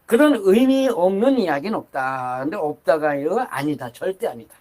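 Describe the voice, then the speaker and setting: Older guy preaching, high pitched voice, chatty and rambly, keeps restarting. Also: expressive, moderate pace, darkish tone. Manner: conversational, rambling with asides and restarts. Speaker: pastor. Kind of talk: sermon.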